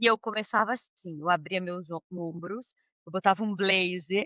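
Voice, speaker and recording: A woman talks at a moderate pace. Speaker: psychotherapist. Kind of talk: podcast interview chat. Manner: halting, with many restarts.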